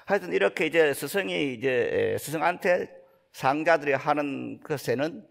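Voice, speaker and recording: An older Buddhist monk from Gyeongsang with a Gyeongsang accent, giving a dharma talk in folksy, unhurried storytelling. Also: male voice, fairly high pitch, animated, creaky. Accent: Gyeongsang Korean. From Gyeongsang province, Korea. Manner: folksy, unhurried storytelling, acting out quoted speech. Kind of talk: sermon storytelling.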